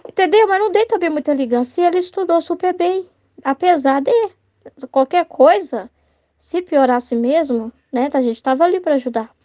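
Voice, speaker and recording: High-pitched chatty Brazilian woman teaching. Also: moderate pace, warm tone, dry recording. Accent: Brazilian Portuguese. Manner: chatty, tags sentences with "né?", acts out everyday dialogue. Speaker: religious study teacher and child tutor. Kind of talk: informal devotional study talk. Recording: dull lo-fi dry sound.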